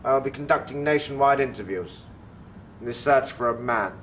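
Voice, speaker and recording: A man's voice: mid-range voice, normal speed, a bit bright, slight background noise, natural voice. A man playing a preachy government official. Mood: earnest. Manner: frank, preachy, speechifying. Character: earnest male government official. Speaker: government representative. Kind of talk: 1950s B-movie acting.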